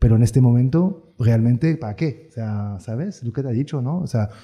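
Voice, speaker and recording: The voice is somewhat breathy with a dark, mellow tone, at a moderate pace. It is a very clean recording with a silent background. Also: man. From France. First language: French (speaking Spanish). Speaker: e-commerce expert. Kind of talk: casual chat. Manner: halting.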